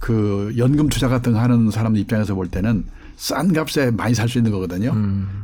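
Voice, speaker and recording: A man talks at medium pitch with ordinary pitch variation. His loudness stays very even, and room echo is audible. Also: moderate pace. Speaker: pension and retirement finance expert. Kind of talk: interview.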